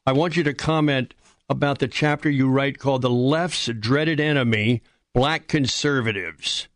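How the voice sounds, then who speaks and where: A man's voice: medium pitch, normal speed, no echo, studio quality. A man hosting a radio interview, asking brief, direct questions with short fillers. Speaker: radio host.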